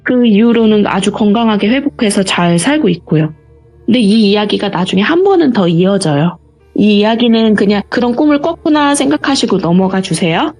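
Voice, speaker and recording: A woman's voice: medium pitch, animated, moderate pace, darkish tone, soft background music. Earnest woman telling a true story. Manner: earnest, vivid retelling with acted quotes. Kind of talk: storytelling interview.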